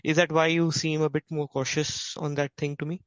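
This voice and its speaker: Smooth higher-pitched Indian male analyst, halting. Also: level tone, a bit bright, no echo. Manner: hesitant, halting, self-interrupting. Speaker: financial analyst asking questions. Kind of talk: unscripted questioning on earnings call. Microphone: conference call line. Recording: dull, lo-fi conference call audio.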